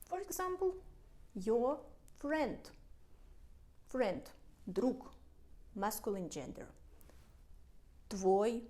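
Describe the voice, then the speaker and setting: A woman teaching a language lesson, spelling out and repeating words slowly for beginners. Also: fairly high pitch, big pitch swings, dark tone. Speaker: Russian teacher.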